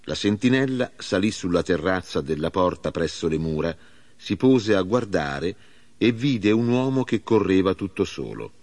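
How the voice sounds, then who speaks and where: A man narrating a Bible reading in a solemn, measured way. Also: low-pitched, expressive, darkish tone. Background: faint music.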